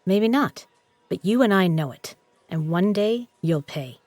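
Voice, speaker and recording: A woman's voice: medium pitch, lively intonation, unhurried, darkish tone, no echo, soft background music, lightly acted. A woman playing a tough, guarded poker legend in an audio drama, with a blunt, sardonic way of talking. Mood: cold, defiant.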